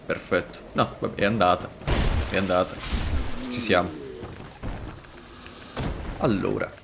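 A man streaming a video game live, commenting with animated, jokey asides and frequent swearing. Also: sits low, unhurried, vocal fry, background noise.

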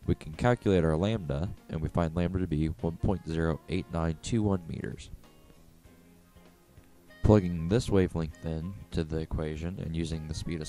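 A man's voice: extremely low pitch, warm tone. A man explaining physics step by step in a scripted educational narration.

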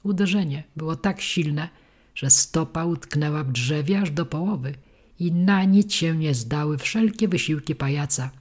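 A woman narrating a children's storybook in an expressive, vivid way. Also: sits low, breathy edge. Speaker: audiobook reader.

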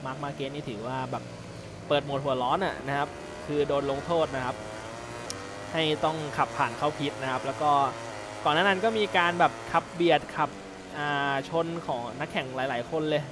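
A man's voice: on the high side, normal speed. A man casually commentating while playing a racing video game, chatting and exclaiming at close calls. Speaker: gameplay commentator. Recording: voice over game audio with engine noise.

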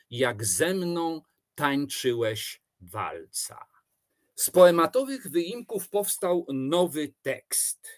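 Guy explaining a poem like a teacher, slow and lively in pitch. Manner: measured, explanatory, with expressive rises and falls. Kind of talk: literature lecture.

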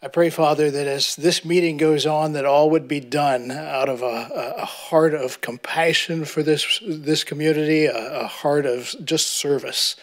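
Middle-aged pastor offering a halting prayer. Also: male voice, on the high side, fairly even intonation. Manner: halting, with repeated filler words. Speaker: pastor giving an invocation. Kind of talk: spoken prayer. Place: council chamber, indoors. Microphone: standing at a podium microphone.

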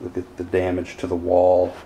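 A man's voice: low voice, monotone, moderate pace, warm tone. A man giving a terse, disapproving, off-the-cuff walkthrough narration as a realtor inspecting an empty home. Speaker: realtor filming a property inspection. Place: indoors, empty townhouse rooms. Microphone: handheld camera microphone. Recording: echoey empty rooms, faint background noise.

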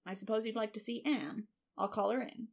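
Sensible older female guardian, read by a woman narrator: firm, dry delivery, fry-edged, unhurried storybook character. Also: fairly high pitch, fairly even intonation. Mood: dry, resolute. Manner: dry, measured.

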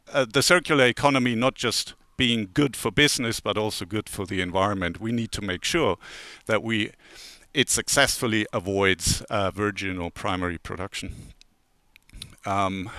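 A man's voice: lowish voice, bright, forceful tone, no echo, clean studio sound. A man in his forties giving a casual academic talk at a conference lectern, with many fillers and restarts and wry asides. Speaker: conference speaker. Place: conference hall, standing at a lectern.

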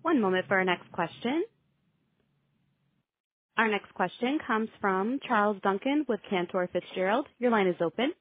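A woman's voice: mid-range voice, lively intonation, normal speed. A woman working as a conference call operator, giving scripted announcements to introduce callers. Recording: tinny phone line.

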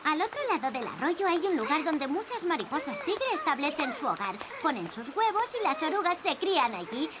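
A woman's voice: high voice, sing-song, a little fast, hardly any pauses, very noisy. An actress with a Castilian Spanish accent playing an upbeat, caring young woman who guides children in a cartoon dub, over music. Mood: enthusiastic. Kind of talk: animated cartoon dub acting. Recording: loud background music.

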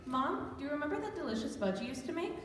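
A woman's voice: high-pitched, big pitch swings, fast. A woman playing a sarcastic, self-important teenage big sister in an amateur stage radio play. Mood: teasing. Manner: dry, teasing. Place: church stage before an audience. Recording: echoey church hall, distant, faint noise.

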